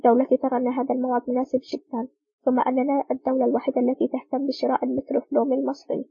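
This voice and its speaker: A woman reading the lines of a gruff, angry male foreign buyer in an audiobook, growling and impatient. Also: very high-pitched, completely flat delivery, racing, no room sound, narrow, tinny audio, full character voice. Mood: irritated.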